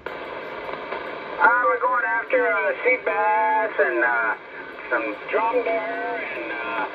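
A man's voice: sits high, sing-song, drawn-out words, gravelly. An American man chatting over CB radio from a fishing boat at a dock, laid-back and drawling. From United States. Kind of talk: casual radio chat. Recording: muffled, noisy radio signal.

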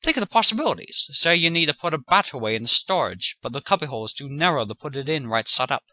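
A man performing a self-important male crackpot inventor in an audio comedy. His voice is sharp, a little high and very lively, pushing his pitch with defensive zeal in a close, dry sound. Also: quick pace, dry recording, rough recording. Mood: eager pitching. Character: earnest, defensive crackpot inventor and ice cream truck driver. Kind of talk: sketch comedy audio drama.

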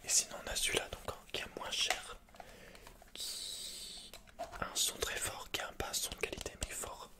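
A young man doing an ASMR roleplay as a shopkeeper, speaking haltingly and with understatement, close to the mic. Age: young adult. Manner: hesitant, halting, understated delivery.

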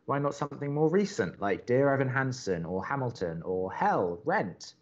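An earnest young theatre buff hosting college radio in an audio drama. He is wordy and opinionated, stumbling a little as he goes, at a middling male pitch. The sound is slightly dull and muffled. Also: very animated, normal speed. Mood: reluctant, exasperated. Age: young adult. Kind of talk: audio drama acting, conversational radio banter.

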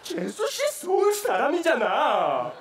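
A fussy provincial know-it-all puts on city airs over a Gyeongsang accent. The high voice swoops about on an echoey comedy stage, a little off the mic. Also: male voice, wildly swooping pitch, slow pace, gravelly, heavily acted. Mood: indignant. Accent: Gyeongsang Korean. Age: young adult. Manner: affected, slipping into broad dialect. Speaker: sketch comedian. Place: large theatre stage, indoors. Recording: echoey stage, distant mic, faint noise.

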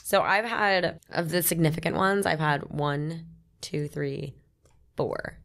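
A woman's voice: low voice, slow pace, creaky. A woman in her twenties co-hosting a podcast, telling personal stories in candid, self-deprecating casual chat. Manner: candid, animated storytelling with self-deprecating laughs. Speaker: podcast co-host.

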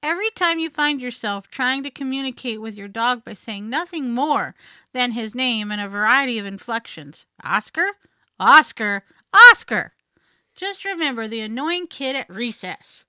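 A woman's voice: a little high, expressive, moderate pace, sharp tone, clear, resonant tone, dry recording. A woman hosting a podcast, reading scripted tips in an instructive way on a close studio mic. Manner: instructive, demonstrates commands with voice. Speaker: podcast host. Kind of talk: scripted narration.

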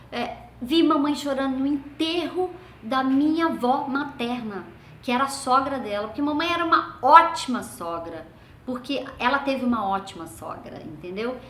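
An older woman with a Brazilian accent, casually telling family stories and often trailing off into soft, low asides. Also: normal speed, slight background noise. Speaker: vlogger. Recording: echoey room with faint ambience.

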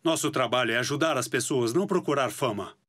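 A man's voice: medium pitch, fast talker, a bit bright, natural voice. A Brazilian man playing a stern, authoritative older police chief and father in a cartoon dub. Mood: stern, composed. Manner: authoritative, firm. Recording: music bed behind voice.

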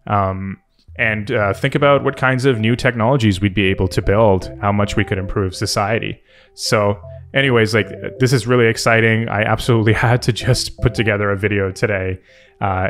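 Low-pitched man thinking aloud over music. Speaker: tech video host and software developer. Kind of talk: casual off-the-cuff tech commentary. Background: background music.

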